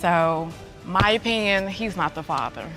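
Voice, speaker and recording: A woman's voice: lowish voice, expressive, measured pace, fairly bright tone. A woman witness giving unscripted testimony in a TV court. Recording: TV courtroom with faint music and audience.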